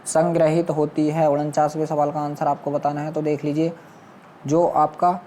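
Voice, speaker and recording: A man's voice: a little high, little pitch movement, moderate pace, warm tone, a little hiss or hum. A man teaching as an exam coach, going through practice questions and answers in a repetitive, instructional way. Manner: instructional, repeats questions and answers with habitual filler phrases.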